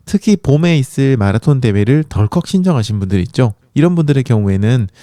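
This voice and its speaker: Mellow-voiced man hosting a running podcast. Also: medium pitch, expressive, quick pace, dry recording. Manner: encouraging, chatty, many fillers. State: sore throat from a coming cold. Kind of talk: casual podcast monologue.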